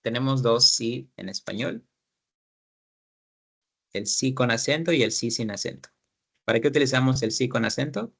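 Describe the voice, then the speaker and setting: A man's voice: medium pitch, moderate pace, vocal fry, pauses often, bright, forceful tone. A man teaching an English class, explaining grammar in Spanish, repeating his students' sentences and asking guiding questions.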